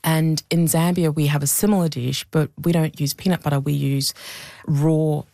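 A woman's voice: low-pitched, steady tone, normal speed, vocal fry, mellow, no echo, studio quality. A woman historian answering interview questions thoughtfully, often restarting and repeating words. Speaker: historian and documentary presenter.

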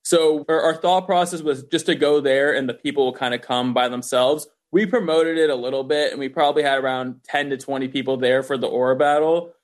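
A man's voice: medium pitch, fairly even intonation, fairly quick, hardly any pauses. A young American man giving casual interview answers in informal, slangy speech peppered with "like". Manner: informal, youthful slang, frequent "like". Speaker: interview guest, event host.

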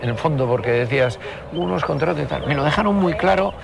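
Gravelly older man, rambling interviewee who swears casually, recorded outdoors on a noisy street. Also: a little high, lively intonation, fast. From Basque Country, Spain. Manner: rambling, frequent swearing and fillers. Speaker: interviewee, longtime party member. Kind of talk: casual conversational storytelling. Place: outdoors, walking through a city. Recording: outdoor street noise with passing traffic.

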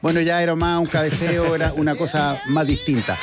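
A Chilean man co-hosting a music talk show, giving lively and opinionated takes with frequent fillers. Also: on the high side, brisk. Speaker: music commentator co-host. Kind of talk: casual live-stream radio chat.

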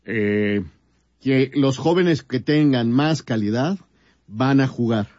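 A man's voice: mid-range voice, takes it slowly, darkish tone, dry recording, muffled recording. A man speaking in a casual sports studio discussion, emphatic and given to repeating words. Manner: emphatic, repetitive phrasing. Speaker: sports show panelist.

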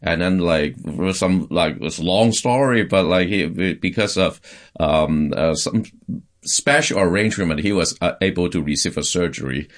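A man's voice: deep voice, moderate pace. A man from Hong Kong, a pastor, telling his life story in a casual interview, with many fillers and restarts. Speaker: pastor, podcast guest.

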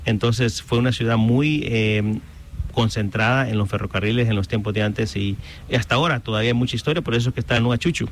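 A man's voice: mid-range voice, fast talker. Honduran-born man, slight background hum. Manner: affirming, plain-spoken, hesitant fillers. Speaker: guest, local Spanish-language media director. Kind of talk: casual interview.

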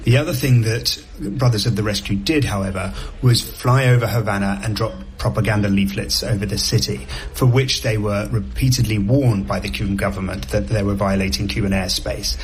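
A man reporting live as a foreign correspondent, explaining events in a measured way with some fillers and restarts. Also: lowish voice, fairly even intonation. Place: remote location on a live link.

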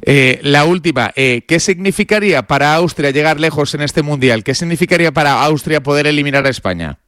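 A man from Spain hosts a sports radio interview, his voice a little higher than most men's. He asks questions in an easy, encouraging tone, and the sound is dry with no room echo. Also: a little fast, a bit bright. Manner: friendly, encouraging questions with fillers.

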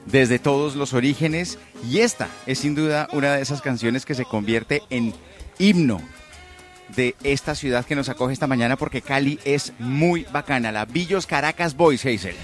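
A man's voice: mid-range voice, normal speed, faint music behind. Jokey male morning radio host. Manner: jokey, teasing, informal. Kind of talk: live morning radio show. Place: outdoors in a city plaza.

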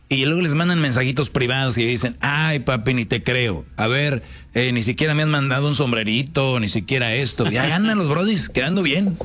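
A man's voice: medium pitch, fairly bright tone. A man with a Mexican accent giving casual commentary as a show host, slangy and lecturing, with hesitant restarts.

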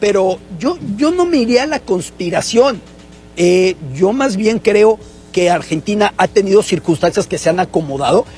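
A man giving football analysis on a studio panel, laying out his argument in a measured way, point by point. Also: high voice, darkish tone.

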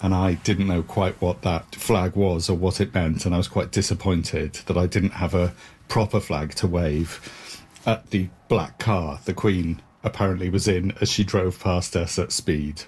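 A man's voice: sits low, fairly even intonation, measured pace, darkish tone, a little hiss or hum. A man in his fifties from Wales, a playwright answering interview questions in a thoughtful, hesitant way. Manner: thoughtful, hesitant, self-correcting.

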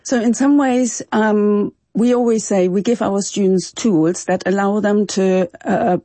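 A woman, co-founder of an education project, explaining its work clearly in a radio studio interview. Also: medium pitch, steady tone, measured pace, dark tone, no echo.

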